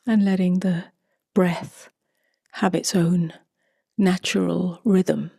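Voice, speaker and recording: A woman speaks as a meditation teacher, very slowly and softly. Her voice is lowish, mellow and breathy, close to a whisper, with calm, spacious gaps between short phrases. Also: dry recording. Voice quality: soft, breathy, half-whispered. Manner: slow, calm, gently spaced phrases. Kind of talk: guided meditation.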